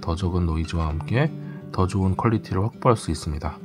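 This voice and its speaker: A man speaks at a fairly quick pace as music plays in the background. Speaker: camera reviewer and filmmaker. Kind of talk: product review narration.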